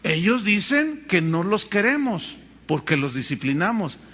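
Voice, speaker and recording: A Mexican man preaching a sermon from the pulpit. His pitch is high and swings widely as he tells dramatic stories. His voice has a bright, forceful edge. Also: unhurried. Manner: animated, dramatic storytelling with acted voices. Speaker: pastor.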